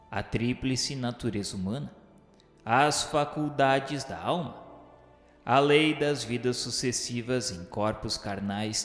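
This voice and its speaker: An actor with a Brazilian accent playing a solemn male spirit narrator in a radio drama, speaking in formal, measured, declamatory literary phrases. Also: mid-range voice. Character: solemn male spirit recounting his afterlife studies and remorse. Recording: echoey hall reverb under music. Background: background music.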